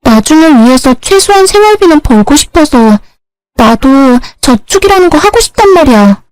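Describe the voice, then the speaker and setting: Woman doing a higher-pitched earnest little sister. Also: very animated, normal speed, darkish tone, no room sound, poor audio. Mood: insistent. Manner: insistent, explaining.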